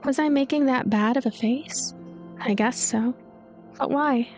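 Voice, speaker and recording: A woman's voice: high voice, unhurried, a little mellow, faint music behind. A woman reading a visual novel's story aloud as narrator, with light commentary of her own.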